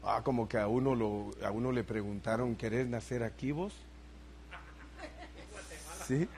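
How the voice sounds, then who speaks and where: A man's voice: mid-range voice, unhurried, darkish tone, a little hiss or hum. Older man preaching a sermon. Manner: preaching with rising emphasis and asides to the congregation. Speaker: pastor.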